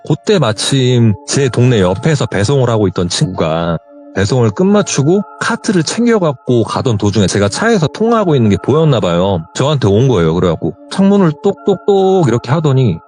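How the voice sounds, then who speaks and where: A man's voice: medium pitch, fairly quick, soft background music. A young man telling a true story in a phone interview, acting out the dialogue as he goes. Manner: animated retelling, quoting others in dialogue.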